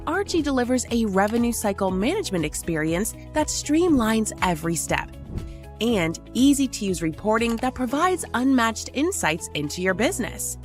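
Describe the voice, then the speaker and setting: Lively woman reading an ad over music. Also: medium pitch. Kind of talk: scripted ad read. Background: music bed.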